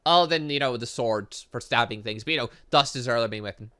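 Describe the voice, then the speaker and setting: A man's voice: medium pitch, fast talker, bright, forceful tone, clear, resonant tone. A man doing chatty, rambling let's play commentary as a gaming host, breaking into playful sing-song interjections. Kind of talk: let's play commentary, reading game dialogue aloud.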